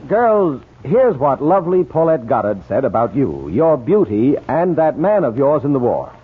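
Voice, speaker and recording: A man reading a polished, scripted sales pitch in the manner of a 1940s radio commercial. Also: very animated, normal speed, husky, soft background music. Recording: tinny, narrow old radio recording.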